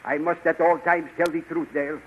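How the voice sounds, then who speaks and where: Guy acting a careful old scientist, stiff formal talk, kinda high voice, dull hissy old radio. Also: steady tone, natural voice. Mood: measured. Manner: formal, measured, stiff phrasing. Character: cautious older male scientist, calm and formal. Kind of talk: 1930s radio drama acting.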